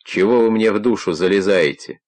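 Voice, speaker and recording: Male reader voicing a sullen young tough; low, gruff, defiant. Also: fairly quick, darkish tone, close to an everyday voice. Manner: gruff, muttering. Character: sullen defiant young man, prickly and wary.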